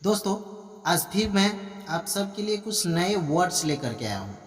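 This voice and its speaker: A man runs a relaxed online English class. He speaks in a chatty, coaxing way and stretches out each example phrase slowly so viewers can repeat it. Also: high voice, breathy edge. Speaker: English tutor. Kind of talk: casual online teaching.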